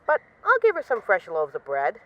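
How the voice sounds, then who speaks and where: A woman's voice: medium pitch, huge pitch swings, moderate pace, lo-fi sound, a little hiss or hum. A woman playing a self-assured, bored mafia boss in an intimate voice-message roleplay, wry, boastful and affectionately teasing her partner. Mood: teasing, rueful. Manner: wry, boastful, teasing, mock-indignant, swearing casually.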